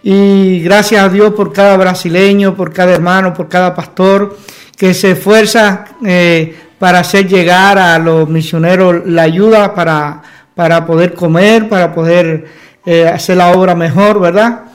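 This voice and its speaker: A male pastor with a Cuban accent giving testimony as a guest, halting and pausing mid-sentence. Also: sits high, fairly even intonation. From Cuba. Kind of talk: testimony in an interview.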